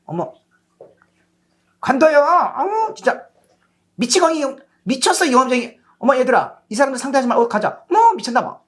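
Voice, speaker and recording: A woman acts out a brash young country girl from a storybook. Her voice is high and swings wildly as she scoffs and exclaims with impatient scorn. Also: sing-song, moderate pace, breathy edge, heavily acted. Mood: scornful.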